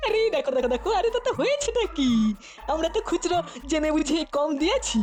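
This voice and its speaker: Boisterous cartoon rascal: brazen taunts, very high voice, swooping delivery. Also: female voice, sing-song, fast talker. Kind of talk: cartoon voice acting. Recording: music behind the voice.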